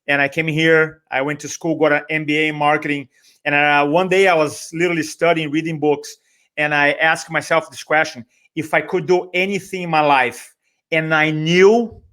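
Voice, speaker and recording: Brazilian-accented male speaker trainer, middle-aged, fairly high voice, persuasive conversational delivery with emphatic repeats. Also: fairly bright tone. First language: Portuguese. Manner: emphatic, repeats phrases, rhetorical questions. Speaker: guest, speaker trainer and business owner. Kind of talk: conversational motivational talk.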